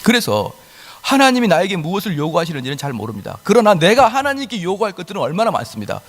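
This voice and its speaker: A man's voice: high voice, huge pitch swings, fast, fairly bright tone, long reverb tail. A male pastor preaching a sermon emphatically, with rhetorical questions and acted-out quotes. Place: church sanctuary.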